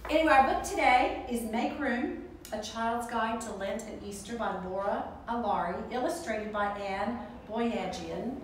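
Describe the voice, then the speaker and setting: An older woman hosting a children's story time, speaking in a gentle, deliberate way for young listeners. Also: fairly high pitch, slight background noise, poor audio. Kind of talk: children's story time, picture book read-aloud. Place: furnished room in a church building.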